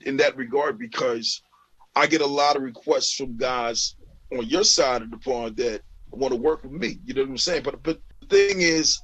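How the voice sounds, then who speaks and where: Husky man in easy interview chat. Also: medium pitch, expressive, moderate pace, a bit bright, low-quality recording. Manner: laid-back, repeats "you know what I'm saying". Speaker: guest rapper. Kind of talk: casual interview talk.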